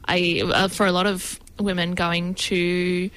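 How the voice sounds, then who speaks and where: A woman's voice: lowish voice, flat delivery, slow pace, fairly bright tone, poor audio. An Australian woman co-hosting a radio show, talking casually with many hesitant fillers. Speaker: radio co-host.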